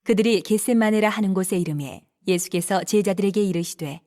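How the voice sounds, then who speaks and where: A woman narrating scripture for an audio Bible drama, telling the story in a steady, even way. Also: medium pitch, brisk.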